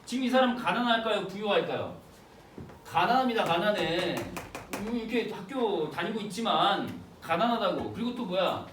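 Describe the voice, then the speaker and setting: A male teacher lectures in a classroom, lively and slangy, constantly checking with his students through rhetorical questions. His voice is high and swings widely. The sound is roomy and distant, with a faint hiss. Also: moderate pace. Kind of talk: exam-prep literature lecture.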